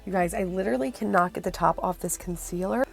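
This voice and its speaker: A woman's voice: on the low side, quick pace, creaky, faint music behind. A woman beauty vlogger chatting casually to viewers through a product review, her voice worn from being sick.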